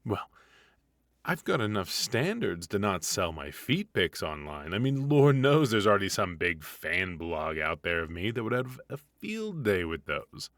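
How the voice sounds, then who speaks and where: Casting: male actor as retired supervillain husband for comedy ASMR, very low, slow drawl, teasing and theatrical. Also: big pitch swings, fairly bright tone, no room sound, studio quality, exaggerated voice. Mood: dry, joking. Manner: theatrical, drawling, mock-sinister.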